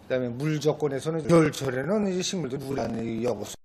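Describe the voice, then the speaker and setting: A man's voice: medium pitch, animated, fast, crowd noise. A man with a North Korean accent explaining upkeep as a staff member in an interview.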